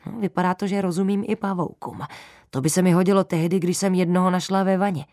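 A woman narrates a children's audio story in the first person, lively and expressive. Her voice is fairly low, close and dry, with no room around it. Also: dry recording.

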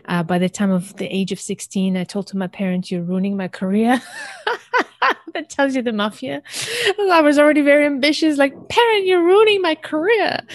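Woman from Algeria, podcast guest, animated, laughs often, dry close sound. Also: mid-range voice, no room sound. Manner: animated, laughs often, talks fast in bursts. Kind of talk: casual interview storytelling.

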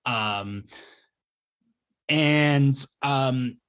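A man in his thirties from Ontario, a journalist talking about his career in a casual interview over a video call, pausing often with ums and restarts. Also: mid-range voice, fairly bright tone. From Ontario, Canada. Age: 30s. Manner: hesitant, many ums and restarts. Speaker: journalist guest.

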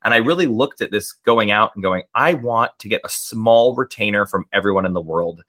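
Bright-voiced low male guest. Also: brisk. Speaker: brand co-founder, guest. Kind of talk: casual interview answers.

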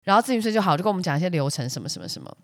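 A woman's voice: lowish voice, racing, vocal fry. A woman co-hosting a casual chat podcast with a Taiwanese Mandarin accent, telling a story and acting out the people in it, with English words dropped in. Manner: animated, acts out the other people in her stories. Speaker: podcast co-host.

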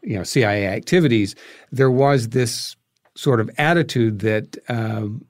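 A man's voice: medium pitch, a little slow, no room sound, clean studio sound. An American man talking thoughtfully in an interview, explaining his ideas at length. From United States. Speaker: filmmaker, podcast guest.

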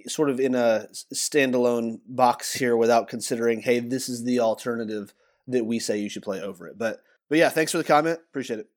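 A man's voice: medium pitch, fairly quick. Podcast cohost guy, earnest, lays out his argument step by step. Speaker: podcast co-host. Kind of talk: casual podcast chat.

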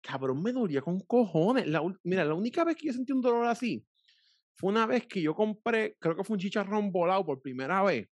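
Animated Puerto Rican man telling crude stories. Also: high-pitched, brisk, no room sound. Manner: crude, animated storytelling full of swearing. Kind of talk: casual chat.

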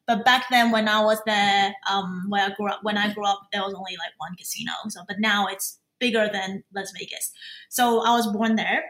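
A woman's voice: medium pitch, fairly even intonation, moderate pace, a bit bright, reverberant, poor audio. A woman who grew up in Australia, a podcast guest chatting casually and laughing easily. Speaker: guest, cooking YouTuber.

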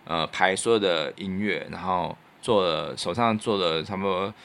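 A man's voice: low-pitched, normal speed, creaky, a bit bright. A man with a Taiwanese Mandarin accent, co-hosting a podcast in a casual, reflective chat. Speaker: podcast co-host and radio producer.

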